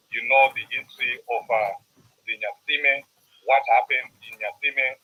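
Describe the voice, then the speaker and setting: A man's voice: medium pitch, breathy edge. Male host's opening remarks, earnest with many fillers, muffled lo-fi video call audio. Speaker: radio host and organiser. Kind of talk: opening remarks in an online panel.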